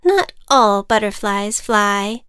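A woman's voice: animated, takes it slowly, fairly bright tone, clean tone, dry recording, studio quality. A woman voicing a timid, fussy female butterfly who is afraid to fly, in a read-aloud storybook. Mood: fretful. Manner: defensive, fussy, high-strung.

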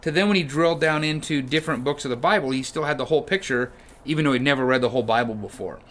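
A man's voice: medium pitch, racing. A man co-hosting a church podcast, chatting casually and acting out storybook moments. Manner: animated, acts out storybook voices with shouts. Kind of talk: casual chat.

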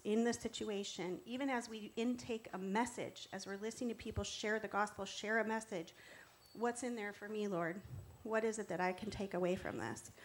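A woman's voice: mid-range voice, slight background noise. Woman preaching in an earnest, conversational way. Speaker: preacher giving testimony. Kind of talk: conversational sermon.

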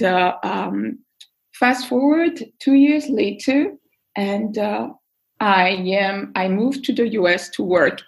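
Woman, from Belgium, interview guest, earnest, thoughtful, hesitant pauses. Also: medium pitch. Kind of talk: casual personal storytelling.

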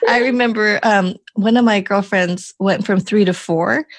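A woman hosting an interview podcast, with a voice of ordinary pitch. She keeps the conversation moving with soft affirmations and easy laughter, and draws her guest out with gentle prompts. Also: normal speed. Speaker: podcast host.

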